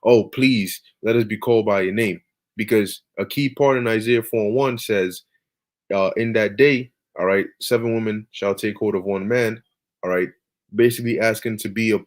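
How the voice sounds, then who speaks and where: A man's voice: on the low side, normal speed. A man preaching on scripture over a video call, emphatic and peppered with "all right" and "okay".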